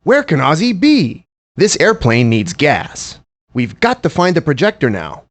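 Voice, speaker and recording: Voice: mid-range voice, huge pitch swings, a little slow. Eager cartoon hero urging the gang along, swooping intonation, earnest short hints. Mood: urgent, eager. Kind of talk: video game hint lines.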